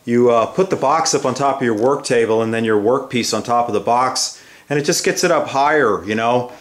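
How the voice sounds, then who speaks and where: A man's voice: medium pitch, a little fast. A man in his fifties giving a casual, folksy, hands-on woodworking demonstration in a rambling way. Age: 50s. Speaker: woodworking instructor, host. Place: indoor woodworking shop. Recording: echoey workshop with tool and rubbing noise.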